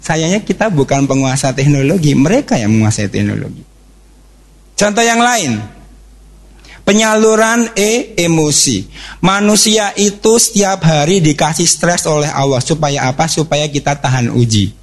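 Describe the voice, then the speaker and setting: An animated middle-aged man gives a religious seminar talk. His voice sits a little high for a man, and he keeps it lively and jokey, firing questions at the audience. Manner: animated, jokey, asks the audience questions, acts out quick exclamations. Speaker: speaker at a parenting and youth talk.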